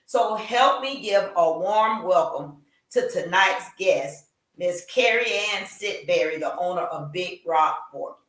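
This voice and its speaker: A woman's voice: lowish voice, lively intonation, measured pace, fairly bright tone. A middle-aged woman hosting a talk show, chatting casually with frequent fillers and restarts. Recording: roomy echo, distant from mic.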